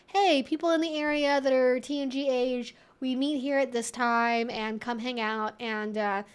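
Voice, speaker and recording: A woman's voice: sits high, fairly even intonation, moderate pace, clean tone. A young woman hosting a livestream, chatting informally and thinking aloud in a rambling way as she answers viewers. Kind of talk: casual livestream chat.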